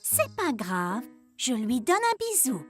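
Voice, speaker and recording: A soothing mother in a children's cartoon. Her high voice is strikingly animated and encouraging, with music clearly behind it. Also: takes it slowly, heavily acted. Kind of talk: French-language children's cartoon dubbing.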